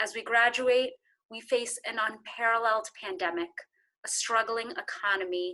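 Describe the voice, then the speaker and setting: She has an unremarkable speaking voice, fairly high in pitch. The woman talks at a fairly slow pace. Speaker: graduate student. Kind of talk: commencement speech.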